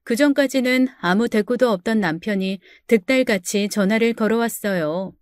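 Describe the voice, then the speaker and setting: A woman's voice: on the high side, moderate pace, dry recording, studio quality. A woman narrating her own story in a confiding, first-person storytelling manner.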